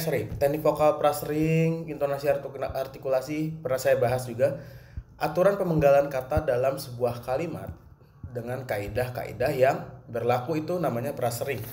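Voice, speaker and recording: Speaking with a Jakarta Indonesian accent, a man delivers a recorded music lesson for students in plain terms, asking his own questions and then answering them. His voice is medium in pitch with a darkish tone. Slight background noise and faint ambience fill the roomy recording.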